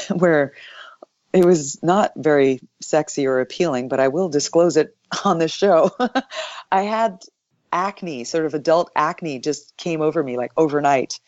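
Woman, guest voice actor, deep morning voice, low pitch, explanatory and calm, dry muffled recording. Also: no echo. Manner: thoughtful, explanatory, with soft laughs. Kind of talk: interview answers.

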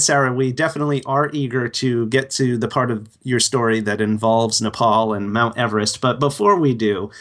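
A man's voice: mid-range voice, fairly bright tone. Man, podcast co-host, polite interviewer, reads introductions. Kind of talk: interview hosting.

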